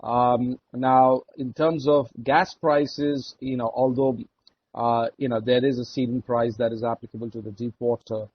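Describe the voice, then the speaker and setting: A male executive with an Indian accent reports formally on a business call. His voice is husky and his delivery measured, with some hesitation. The sound is lo-fi and slightly muffled. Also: medium pitch, little pitch movement. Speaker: oil and gas executive. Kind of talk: earnings call presentation. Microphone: conference call line.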